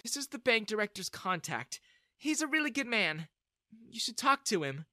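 A storyteller voicing an emotional, clingy middle-aged mother, in a high put-on voice. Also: sing-song, moderate pace, pushed and bright, no echo, studio quality. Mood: pleading.

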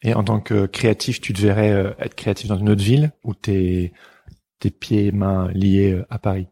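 A man from Belgium, an illustrator hosting the show, asking questions in a relaxed, conversational way. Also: lowish voice, normal speed. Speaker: podcast host, illustrator. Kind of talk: casual interview chat.

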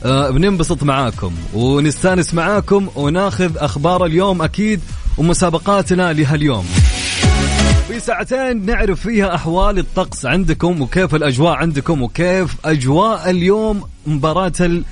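A young man with a Saudi accent hosting a lively radio show, chatty and upbeat, answering his own questions. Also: on the high side, fairly quick. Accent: Saudi Arabic. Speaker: radio host. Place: radio studio. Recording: studio radio with faint music.

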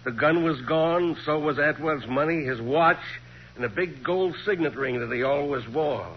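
An actor plays a genial Texas lawman in forties radio crime drama. His is folksy and colloquial, his voice rather high. The sound is dull with a faint hum. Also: moderate pace, natural voice. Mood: matter-of-fact. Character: genial small-town Texas sheriff, folksy man. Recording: muffled, hissy 1940s radio recording.

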